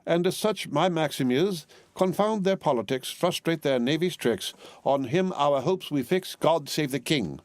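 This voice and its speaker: A man doing brisk bossy Miss Pross. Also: medium pitch, animated, a little mellow, dry recording, pitched above the performer's own voice, natural voice. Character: fussy fiercely loyal middle-aged woman servant.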